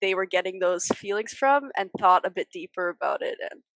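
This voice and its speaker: A woman's voice: lowish voice, lively intonation, a little fast, fairly bright tone, no room sound, low-quality recording. A young woman co-hosting a podcast in casual conversation, tentative, sprinkling in "like" and "kind of". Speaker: podcast co-host.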